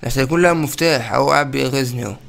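A young man with an Egyptian accent giving excited, playful commentary while playing a game, teasing and laughing often. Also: medium pitch, rapid-fire, gravelly. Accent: Egyptian Arabic. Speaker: gaming channel host.

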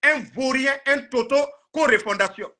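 A man's voice: very high-pitched, moderate pace, bright, forceful tone. A man in his thirties with a Guinean accent, talking politics on a live stream in an emphatic, indignant, repetitive way. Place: indoor room, video call.

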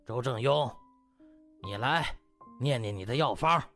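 Man voicing a stern old senior doctor, low-pitched. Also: a little slow, fairly bright tone. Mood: stern announcing. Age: older. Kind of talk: audiobook character acting. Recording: music behind the voice.

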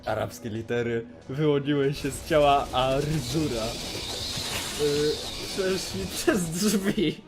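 A man's voice: on the high side, slow, music in the background. A man narrating an amateur comic parody dub in an informal, jokey way, slipping into casual banter.

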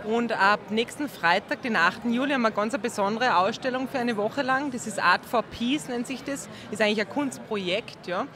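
A woman's voice: fairly high pitch, a little fast, few pauses. A woman answering interview questions casually at an outdoor festival. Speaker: gallery member. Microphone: handheld mic. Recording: crowd noise behind.

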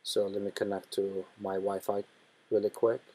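A man hosting a step-by-step tech tutorial in a plain, steady instructional manner. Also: on the low side, normal speed, breathy edge. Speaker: tutorial host.

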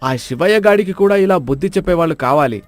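A man voicing an aggrieved village farmer in an animated moral story, talking in a complaining way. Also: a little high, quick pace, no room sound, soft background music, lightly acted. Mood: resentful.

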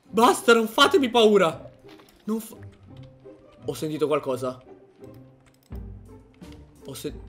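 A man giving gaming commentary, jumpy and excitable, dropping to hushed mutters and then jumping to high frightened yelps. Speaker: video game let's player.

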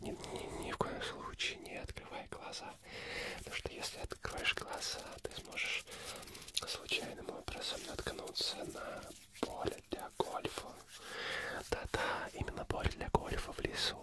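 A young man playing a sly, playful Cheshire Cat in a whispered role-play, murmuring repetitively in a breathy, barely audible whisper close to the mic. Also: measured pace, natural voice. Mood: secretive, teasing. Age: young adult. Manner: repetitive, hushed, half-intelligible murmuring. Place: small foam-padded indoor studio. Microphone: close ASMR microphone.

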